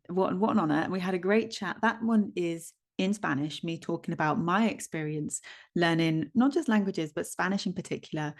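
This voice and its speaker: A woman's voice: lowish voice, a little mellow. A woman hosting a language-learning podcast, gushing and bubbly, with plenty of ums as she introduces her guest. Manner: bubbly, gushing, many fillers. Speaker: podcast host. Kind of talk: enthusiastic interview intro. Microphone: recording a video intro.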